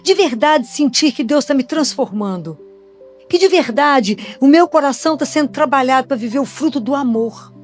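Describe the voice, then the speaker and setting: Brazilian woman, high voice, chatty sermon full of rhetorical questions, faint music under. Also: lively intonation, moderate pace. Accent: Brazilian Portuguese. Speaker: Catholic speaker and pediatrician. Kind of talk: preaching sermon. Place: church gathering after communion.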